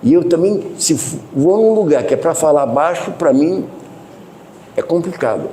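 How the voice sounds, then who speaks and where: A Brazilian man giving a devotional talk at a spiritist center. He speaks in a loud voice that never softens and chats with the audience through asides and questions. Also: animated, moderate pace, slight background noise. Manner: loud, unchanging speaking voice that he cannot lower; conversational, addresses listeners with asides and questions. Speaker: spiritist lecturer. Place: spiritist center meeting hall.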